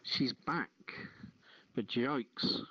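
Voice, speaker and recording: A man hosting a casual live show, chatting and reading items in a halting, jokey manner. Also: mid-range voice, bright, forceful tone, no room sound. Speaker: radio show host. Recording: dull, lo-fi audio.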